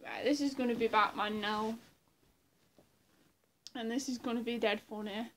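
A woman's voice: fairly high pitch, steady tone, normal speed, slight background noise. A young woman chatting casually to her webcam in a small room, swearing and laughing often. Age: young adult. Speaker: vlogger. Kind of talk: casual vlog chat.

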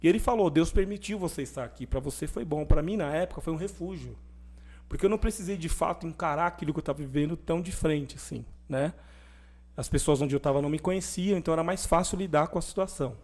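A young adult man, a podcast guest, telling his personal faith story in animated conversation and acting out the voices of people he quotes. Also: a little high, fast.

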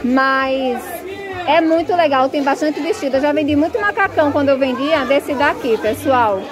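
A woman, chatting excitedly as she films herself walking through an outdoor clothing market and asking sellers for prices. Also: sits high, normal speed. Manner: gushing, chatty, repeats "minha gente". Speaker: shopping vlogger. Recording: crowd noise behind. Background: busy market crowd.

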